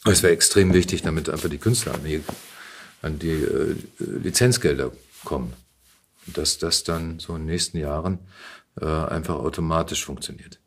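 Interview guest, male, middle-aged: very low, husky voice, reflective, conversational, hunts for his words. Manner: reflective, halting, searching for words. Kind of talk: casual conversation.

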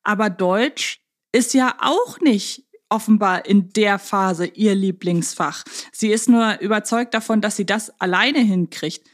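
A woman co-hosts a relaxed fan podcast. She talks in a chatty, reflective way, working out her thoughts as she speaks. The tone is conversational and lightly humorous. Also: mid-range voice, a little slow. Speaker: podcast host.

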